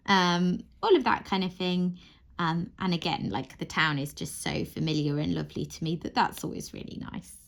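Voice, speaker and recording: A woman in her thirties chatting away as she crafts, rambling and laughing softly, often restarting her sentences. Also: lowish voice, normal speed, vocal fry. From Wales. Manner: rambling, warm, frequent soft laughs and restarts. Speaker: crafting channel host. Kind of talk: chatty monologue while crafting.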